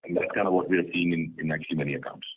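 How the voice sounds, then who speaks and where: Male executive, very low and husky, explanatory corporate delivery on a narrow phone line. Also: fairly even intonation, very fast. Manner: business jargon, explanatory. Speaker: company executive. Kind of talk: earnings call answers. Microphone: telephone.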